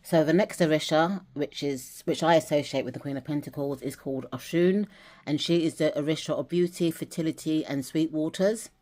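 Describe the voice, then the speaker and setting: A woman's voice: low voice, brisk, a little mellow. A woman from England chatting casually in a vlog as she shows dolls and a journal, rambling a little with restarts. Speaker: vlogger.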